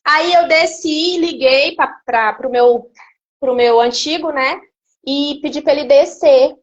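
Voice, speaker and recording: A woman, a guest giving an emotional personal testimony in an animated storytelling way. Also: high voice, slow pace, highs cut off. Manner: animated storytelling, acting out quoted speech. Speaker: interview guest.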